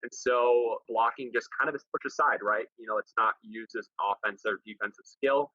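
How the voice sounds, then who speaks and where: A man's voice: medium pitch, fairly quick, sharp tone, no echo, muffled recording. A man who coaches college volleyball, talking casually on a podcast and often repeating words as he thinks aloud.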